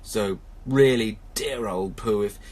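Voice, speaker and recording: A man's voice: lowish voice, slow pace, a little mellow, husky. A man voicing a small, timid, anxious storybook piglet with a hesitant, flustered manner. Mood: flustered excuses.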